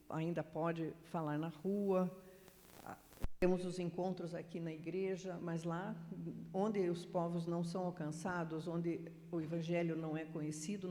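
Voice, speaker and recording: A woman from Curitiba with a Curitiba accent, a guest missionary giving a chatty, relaxed church talk while fumbling with her slides. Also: lowish voice. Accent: Curitiba Brazilian Portuguese. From Curitiba, Brazil. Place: church sanctuary. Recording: hall reverb, faint noise, from the mic.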